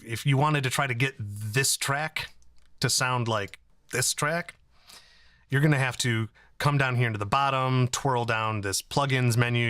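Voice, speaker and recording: A man in his thirties hosting a casual software tutorial, explaining things in a conversational way. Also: medium pitch, no echo. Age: 30s. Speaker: tutorial host.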